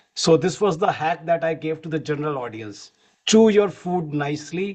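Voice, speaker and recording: Talking at a fairly quick pace, a man has an unremarkable speaking voice, fairly high in pitch, with ordinary pitch variation. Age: 60s. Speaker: doctor cyclist. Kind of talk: panel discussion.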